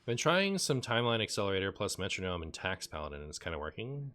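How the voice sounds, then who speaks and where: A man's voice: deep voice, sing-song, quick pace, fairly bright tone. A man casually commentating a live game stream, playful with dry asides. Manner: playful, hammy mock outrage and dry asides. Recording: faint background noise.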